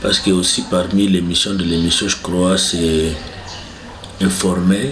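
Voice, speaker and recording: A man from South Kivu, Congo, with a Congolese French accent, speaking as a politician answering interview questions in a formal, measured way. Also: sits low, level tone. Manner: formal, measured self-presentation. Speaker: politician, guest. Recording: echoey room with faint noise.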